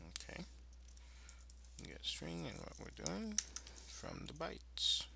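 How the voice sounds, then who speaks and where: A man presenting an informal screencast tutorial, explaining in a halting, improvised way. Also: on the high side, huge pitch swings, creaky, background noise.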